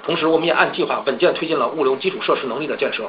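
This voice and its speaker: A man's voice: fairly high pitch, rapid-fire. A man formally delivering prepared executive remarks on a corporate earnings call. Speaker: company executive. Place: conference call. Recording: dull conference call, faint noise.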